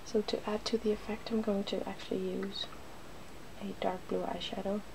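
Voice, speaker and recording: A woman hosting a soft-spoken ASMR makeup tutorial, often slipping into a whisper. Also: medium pitch, little pitch movement, moderate pace, creaky. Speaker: ASMR video host. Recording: noticeable background noise.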